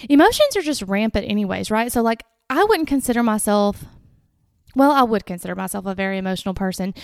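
A woman podcast host speaks in a nasal, slightly stuffed-up voice. Her delivery is informal and conversational at a middle pitch, recorded close and dry with little room sound. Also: a little mellow, smooth, dry recording. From Southern United States. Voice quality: nasal, congested. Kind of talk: casual solo podcast monologue.

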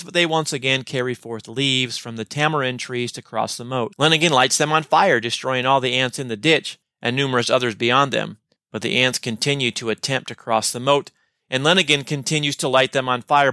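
Male teaching-podcast host, playful asides, bright forward tone. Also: mid-range voice, dry recording, clean studio sound. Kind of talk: podcast lesson summary.

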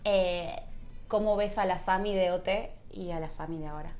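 A woman interviewing a singer, asking friendly questions with soft diminutives. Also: on the low side, fairly even intonation, normal speed, faint music behind.

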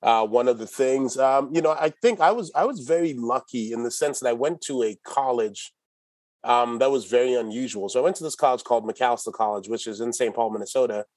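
A middle-aged man talks easily about his past as an interview guest, restarting his sentences and laughing now and then. His voice sits at an ordinary pitch and sounds close and dry, with no room around it. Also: a little fast, dry recording. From Ghana. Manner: relaxed storyteller, many restarts and laughs. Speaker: guest, company executive. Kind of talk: casual interview talk.

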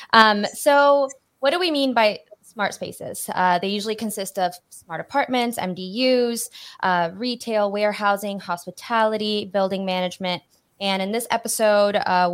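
A woman co-hosting a podcast, upbeat and welcoming, with a few small slips as she introduces the topic. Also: medium pitch. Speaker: podcast co-host.

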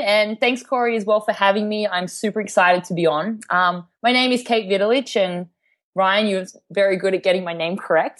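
A woman with an Australian accent, a podcast guest chatting in an upbeat way with frequent ums and you knows. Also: mid-range voice. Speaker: guest, fitness trainer. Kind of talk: casual interview chat.

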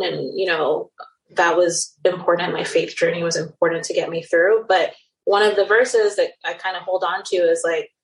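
Woman in her 30s, general American accent, lowish voice, earnest reflective interview guest. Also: poor audio. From Nigeria and the Netherlands. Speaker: cosmetic surgeon guest. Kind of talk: interview conversation.

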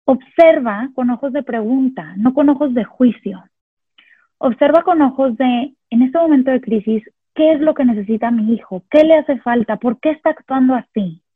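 A woman calmly explaining parenting steps one at a time, sometimes acting out the phrases she would say to a child. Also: sits high, normal speed, dry recording. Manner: calm step-by-step explaining, models phrases to children. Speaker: parenting educator. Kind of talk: instructional talk on positive discipline. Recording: husky voice over a tinny phone-like line.

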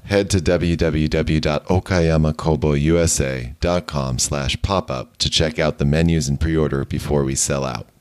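A man's voice: very deep voice, fairly even intonation, normal speed, hardly any pauses, darkish tone, smooth, dry recording. A man hosting a food and drink podcast, reading the show intro and sponsor messages in an upbeat scripted way. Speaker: podcast host. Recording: voice over guitar music.

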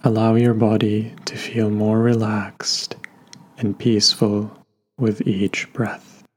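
Over faint, soft background music, a man leads a guided meditation very slowly, leaving long pauses between gentle instructions. His voice sits on the low side, soft-edged and husky, with little pitch or melodic movement.

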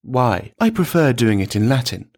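A man voicing a reluctant male churchgoer in a story, polite, weary and quietly ironic in his stubbornness. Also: mid-range voice, big pitch swings, moderate pace. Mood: hesitant.

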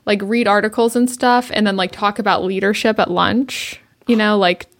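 A woman's voice: medium pitch, fairly even intonation, moderate pace. A young woman and new mother co-hosting a podcast, telling stories in a casual, conversational way with frequent fillers. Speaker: podcast co-host. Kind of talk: casual chat.

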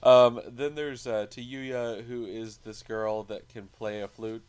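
A man co-hosting a podcast, recapping casually in a halting, hesitant way with dry jokes slipped in. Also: mid-range voice, fairly even intonation, clear, resonant tone. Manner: hesitant, halting, dryly joking. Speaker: podcast co-host.

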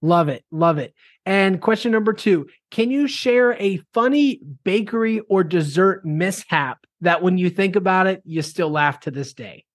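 A man's voice: sits high, expressive, a little slow, dry recording, clean studio sound. A man hosting a casual interview, upbeat and repeating himself, with some fillers. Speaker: podcast host.

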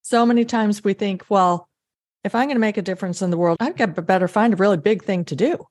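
A woman's voice: mid-range voice, quick pace, darkish tone, dry recording, studio quality. A woman hosting a faith podcast, speaking, affirming and eager, often speeding up in bursts. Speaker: podcast host. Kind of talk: casual faith interview.

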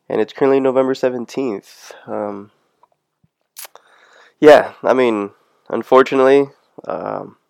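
A man's voice: medium pitch, creaky, clean tone, dry recording. A man hosting a casual solo podcast, talking in a rambling, hesitant way and often losing his thread. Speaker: podcast host. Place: standing in the middle of his room at home.

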